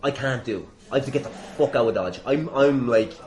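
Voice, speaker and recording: A man's voice: medium pitch, fairly quick, darkish tone. An Irish man hosting a podcast in casual conversation, emphatic and swearing freely, recorded in an echoey room. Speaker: podcast host.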